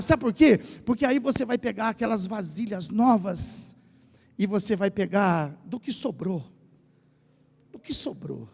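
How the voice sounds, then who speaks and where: Brazilian pastor preaching, high gravelly voice, big echoey church hall. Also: male voice. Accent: Brazilian Portuguese, São Paulo state. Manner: animated preaching, asks the congregation to repeat phrases. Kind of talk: sermon. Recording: church hall with long reverb.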